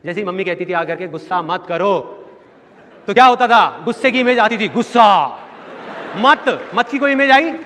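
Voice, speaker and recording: A man from India giving a live motivational seminar talk, telling stories in a lively way and acting out voices. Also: high voice, normal speed, slight background noise. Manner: lively storytelling with acted voices. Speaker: motivational speaker. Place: large hall with an audience. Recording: echoey hall with audience.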